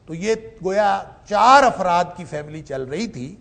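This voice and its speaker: A man teaching Quran commentary in a lecture, slowly reciting Arabic verses and then explaining them with rising emphasis. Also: sits high, animated, creaky, fairly bright tone.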